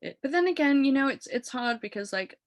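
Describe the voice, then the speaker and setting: A woman in her thirties with an English accent and a low, smoky voice, talking casually and animatedly as an interview guest, laughing often and filling with "like". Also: animated, brisk, no echo. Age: 30s. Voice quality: low voice from years of smoking. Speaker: musician guest.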